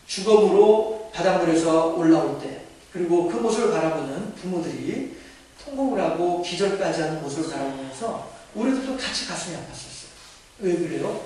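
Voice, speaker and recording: A high-voiced male pastor delivers a conversational sermon, turning to the congregation with questions and acting out quotations. His voice booms with heavy reverb around a large church sanctuary, picked up from a distant mic. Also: darkish tone, a little hiss or hum. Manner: conversational, engages congregation, acts out quotes. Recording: echoey church hall, mic far off.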